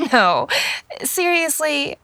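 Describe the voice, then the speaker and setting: A woman's voice: high-pitched, very animated, very slow, creaky, bright, forceful tone, no echo, exaggerated voice. A woman playing a skeptical, sarcastic sixteen-year-old girl in an audio drama, with a wry, incredulous manner and stammers. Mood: dismissive.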